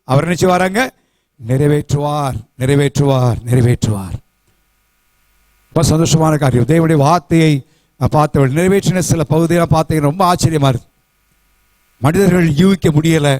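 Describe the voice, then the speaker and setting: A man's voice: high voice, no room sound. A man preaching a Sunday sermon as pastor, emphatic and rhythmic, asking the congregation questions and repeating key words. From South India. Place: church.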